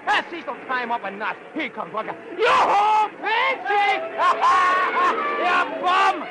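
High-pitched, loudmouthed wrestling fan. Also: male voice, expressive, slow, full character voice. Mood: jeering. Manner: mocking, laughing, slangy heckling. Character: loudmouthed, jeering male wrestling fan with a cigar. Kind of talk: 1940s radio acting. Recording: noisy vintage radio, roaring arena crowd.

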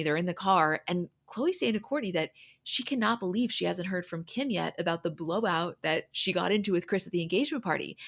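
A woman hosting a podcast, recapping in a casual, conversational way as she retells who said what. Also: on the low side. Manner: conversational, retells quoted dialogue scene by scene. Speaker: podcast host.

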